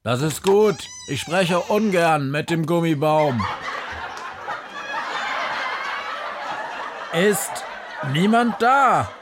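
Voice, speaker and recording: A man's voice: on the high side, lively intonation, takes it slowly, noisy background. A man playing a grumbling, sarcastic family father in a comedy radio play.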